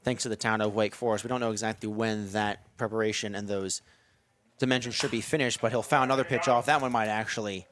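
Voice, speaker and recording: A young man calling a baseball game on the radio from a ballpark press box, steady in tone and lifting his voice on big plays. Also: lowish voice, fast talker, slight background noise. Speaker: play-by-play announcer.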